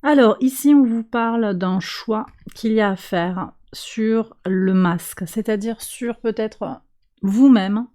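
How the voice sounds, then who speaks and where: Female card reader and host, slightly congested from a cold, gentle and measured, often pausing to search for words. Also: mid-range voice. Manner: calm, slow, hesitant with many fillers. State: has a cold. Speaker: tarot and astrology reader, channel host. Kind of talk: weekly card reading for viewers.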